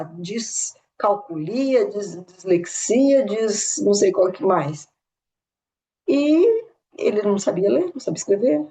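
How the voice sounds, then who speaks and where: A Brazilian woman casually retelling a story at a spiritist study talk, animated, with many tag questions and restarts. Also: mid-range voice. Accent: São Paulo interior Brazilian Portuguese.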